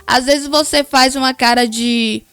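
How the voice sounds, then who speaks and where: A woman, a podcast guest in casual conversation, animated, acting out quoted dialogue. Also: high-pitched, a little slow, smooth, faint music behind. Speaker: podcast guest, child protection counselor.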